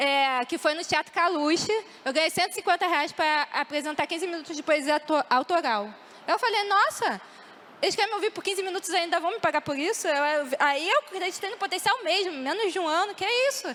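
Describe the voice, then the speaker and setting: A woman's extremely high voice at a fairly quick pace, with lively intonation and noticeable background noise. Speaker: poet and filmmaker. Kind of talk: panel talk. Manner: fast, many restarts.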